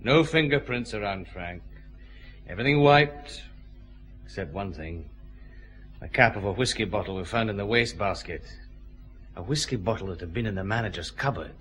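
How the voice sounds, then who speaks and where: No-nonsense cid boss, bright clear voice, dry and steady. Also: male voice, on the low side. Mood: stern. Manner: brisk, methodical, dry authority. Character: firm male police chief inspector. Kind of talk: vintage radio drama acting.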